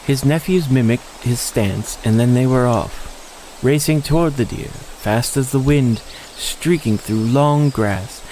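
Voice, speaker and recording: Give me a male narrator with a medium pitch reading dramatic fiction, light outdoor noise in the background. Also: slow pace, a little mellow, poor audio. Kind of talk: scripted dramatic story narration.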